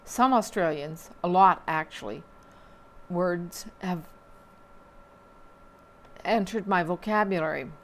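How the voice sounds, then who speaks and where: A woman reading local newspaper items aloud at a measured pace, with small slips and dry asides. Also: fairly low pitch, a little hiss or hum.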